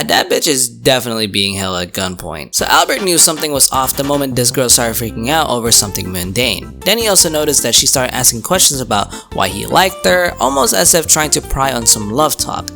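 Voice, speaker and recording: A man's voice: mid-range voice, very animated, fairly quick, gravelly, hardly any pauses. Sarcastic man narrating over music. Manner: sarcastic, crude, swearing, puts on character voices. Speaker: YouTube manga recap narrator. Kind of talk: comedic scripted story recap.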